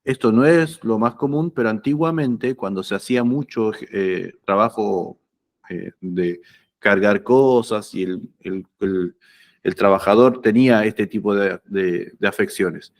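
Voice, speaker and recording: An anatomy teacher explains his slides in a lecture, speaking in a voice on the low side at an unhurried pace. He keeps it conversational and often checks that his students are following.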